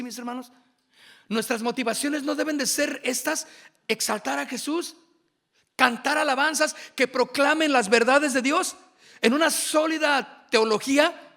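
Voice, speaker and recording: A man preaching at a worship workshop, with emphatic, drawn-out phrasing and asides to his listeners. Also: very high-pitched, vocal fry, bright, forceful tone.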